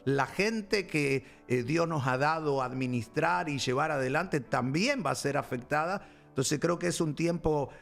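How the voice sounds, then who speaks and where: A man's voice: on the high side, moderate pace, gravelly, few pauses, a bit bright, faint music behind. A man hosting a Christian talk show as a pastor, speaking in a preachy, rambling way with fillers and restarts. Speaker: pastor and program host.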